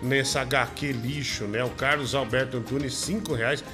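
Bright-voiced joking man host. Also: mid-range voice, steady tone, normal speed, soft background music. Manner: joking, profane, teasing. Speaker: show host. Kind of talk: crude comedy live show chat.

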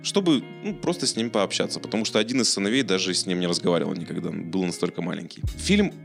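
Low voiced guy hosting a podcast, jokey film talk, trips over words a bit, music underneath. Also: expressive, fast talker, gravelly. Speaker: podcast host. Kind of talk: casual podcast chat, film review. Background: background music.

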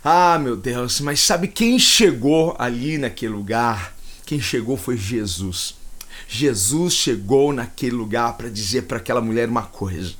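A man's voice: mid-range voice, expressive, a little slow, a bit bright. A man with a Brazilian accent preaching a livestreamed sermon, fervent and repetitive, with emotional swells in his voice. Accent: Brazilian Portuguese.

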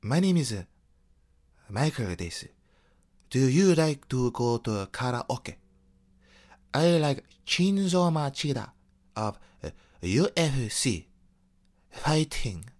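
A man putting on a Japanese accent, speaking slowly and stiffly like a formal introduction. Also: medium pitch, sing-song, a little mellow. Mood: polite. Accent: put-on Japanese.

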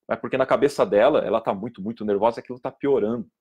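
Emphatic husky man teaching. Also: medium pitch, fast, lo-fi sound. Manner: emphatic, lively, scolding tone, acts out quoted students. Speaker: public speaking instructor. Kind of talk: informal video lesson.

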